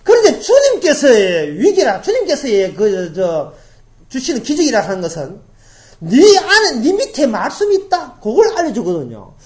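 A middle-aged woman from Daegu preaching a sermon as pastor, repeating key phrases and swinging from loud emphasis to hushed asides. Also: on the high side, very animated, normal speed. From grew up in Daegu, South Korea.

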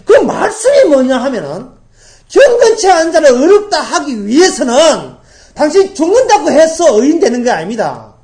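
Emphatic, lively-voiced woman preaching a sermon. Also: high-pitched. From grew up in Daegu, South Korea. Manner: emphatic, repeats key phrases, swings from loud to hushed. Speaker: pastor.

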